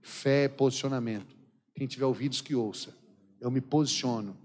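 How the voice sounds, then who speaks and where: A Brazilian man with a São Paulo accent preaches a sermon in a large church hall, and his mid-pitched voice rings out with a long reverb. He tells stories with a joking edge, laughing often and acting out what people said. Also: moderate pace, a little mellow. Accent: Brazilian Portuguese, São Paulo. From São Paulo state, Brazil. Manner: jokey storytelling, acts out quoted dialogue, laughs often. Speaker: missionary preacher.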